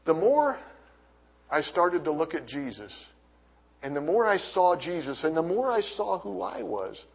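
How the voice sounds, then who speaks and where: A man giving an earnest personal faith testimony, halting with restarts and reading scripture aloud. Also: on the high side, sing-song, gravelly. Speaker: testimony speaker. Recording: dull lo-fi recording.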